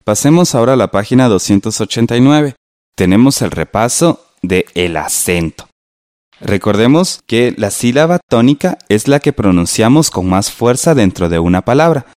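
A man teaching a radio lesson in a slow, patient way, spelling out syllables. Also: mid-range voice, expressive, darkish tone, dry recording, studio quality.

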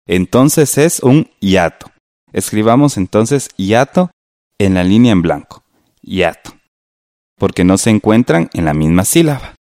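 Man, radio teacher, patient, lower voice with lively pitch, dry sound. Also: dry recording. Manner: slow, patient, spells out syllables. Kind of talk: scripted radio lesson.

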